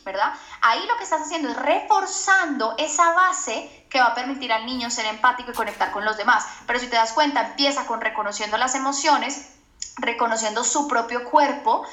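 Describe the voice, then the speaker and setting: A woman's voice: a little high, sharp tone. A woman psychologist explaining to a podcast host in an earnest teaching tone, often asking for agreement. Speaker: psychologist guest on a parenting podcast. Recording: roomy echoing sound.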